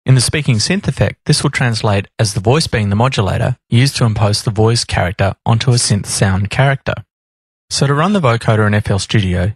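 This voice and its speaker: A man reading scripted instructional narration in a measured, explanatory manner. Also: fairly low pitch, slightly rough, dry recording. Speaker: tutorial narrator.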